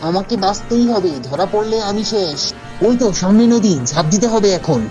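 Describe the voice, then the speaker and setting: A woman voicing a sly, sinister male vendor, a scheming villain in an animated cartoon. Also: medium pitch, brisk, muffled recording, faint music behind, natural voice. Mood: desperate. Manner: hawking, scheming.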